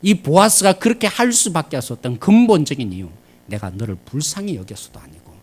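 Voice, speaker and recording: Male preacher, midweek service; husky, animated, lively pitch. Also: a little fast. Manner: animated preaching, swings between loud emphasis and quiet asides. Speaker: pastor. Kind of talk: sermon. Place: church sanctuary.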